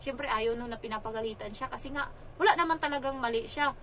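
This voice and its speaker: A woman's voice: fast talker, slight background noise, low-quality recording. A young woman vlogger, a domestic helper, casually retelling a story and acting out the lines she quotes. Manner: animated retelling, raising her pitch for quoted lines. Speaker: domestic helper telling about her employers.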